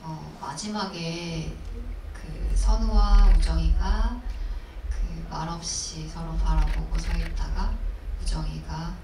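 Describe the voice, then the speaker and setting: A woman answering questions on stage at a film screening Q&A, speaking thoughtfully with pauses and fillers. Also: deep voice. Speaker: actress at a film Q&A. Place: cinema hall with audience. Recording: echoey cinema hall from far off, noisy.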